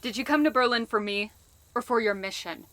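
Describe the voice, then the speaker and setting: A woman's voice: fairly high pitch, a little fast, fairly bright tone, close to an everyday voice. A woman playing a determined but wounded wartime agent in an audio drama, earnest and emotional. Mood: hurt, pleading. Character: determined, wounded female wartime agent rescuing her lover.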